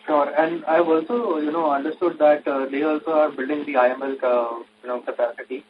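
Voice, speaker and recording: A man's voice: on the high side, fairly even intonation, brisk. A man asking questions as a financial analyst on a conference call. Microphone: conference call phone. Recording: muffled, noisy phone line.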